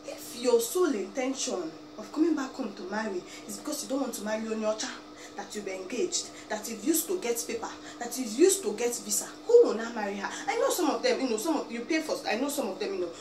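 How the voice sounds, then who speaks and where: This vlogger, a young woman from Abia State, Nigeria, speaks with an Igbo accent and a fairly high, lively, brisk voice. Sitting in a chair in a small indoor room, she rants emphatically at the camera, pleading, scolding and tossing in "eh?" and "biko." The camera is a few feet away, leaving a noisy, distant, roomy sound.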